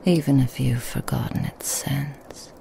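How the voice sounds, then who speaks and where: A woman voicing a seductive, possessive female Krampus demon in a whispered ASMR roleplay, teasing and mocking in an intimate hush. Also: extremely low pitch, steady tone, unhurried, creaky, slight background noise, full character voice. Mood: menacing.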